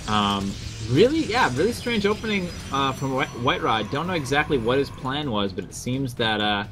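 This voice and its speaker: A man's voice: medium pitch, moderate pace, music in the background. Laid-back male co-caster with hesitant delivery. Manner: relaxed, hesitant, many fillers. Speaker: esports commentator. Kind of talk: casual game commentary.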